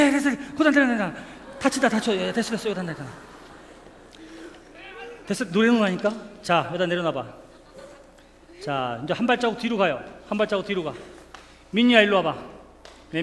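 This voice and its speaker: A man's voice: sits high, fairly bright tone. A man leading a playful children's sermon as pastor, coaxing the kids and calling them by name. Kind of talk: children's sermon with a live demonstration. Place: church sanctuary. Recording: reverberant hall, faint room noise.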